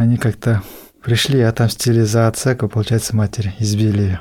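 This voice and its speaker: The voice has a dark, mellow tone. It is somewhat breathy. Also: man. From Kyrgyzstan, Bishkek. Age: 30s. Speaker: courier. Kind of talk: interview testimony. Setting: studio.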